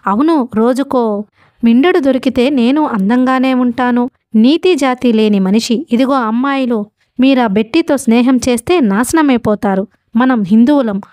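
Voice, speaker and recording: Woman doing a shrill scolding old schoolteacher. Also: normal speed, warm tone, lightly acted.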